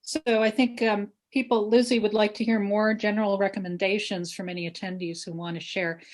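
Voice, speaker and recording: A woman's voice: mid-range voice, level tone, brisk. A woman co-hosting in a casual, chatty way, relaying comments and questions from an audience.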